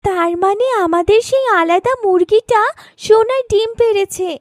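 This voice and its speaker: A woman's voice: extremely high pitch, moderate pace, no room sound, clean studio sound, pitched above the performer's own voice. A woman voicing a kind, eager young village girl in a children's cartoon, with a tender, pleading manner. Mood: excited. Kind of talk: children's moral cartoon voice acting.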